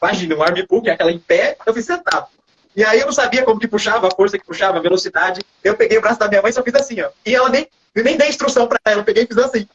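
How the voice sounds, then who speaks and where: A man with a Brazilian Portuguese accent tells a story as an interview guest, animated, acting out quoted dialogue and often adding tag questions. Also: sits high, racing, dull audio, slight background noise. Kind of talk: casual storytelling in a livestream interview.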